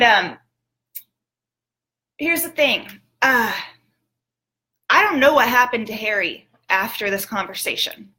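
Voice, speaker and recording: A woman giving a motivational talk, telling a story in an animated way and speaking earnestly to the audience. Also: mid-range voice, poor audio. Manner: animated storyteller who acts out quotes; earnest, direct appeals to the audience.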